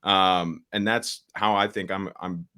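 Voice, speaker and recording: A man's voice: fairly even intonation, slow, bright, forceful tone, clean tone. A man in his late teens, a social media coach, speaking as a podcast guest in a straightforward way, with many fillers and restarts. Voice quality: deep voice. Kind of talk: casual podcast interview.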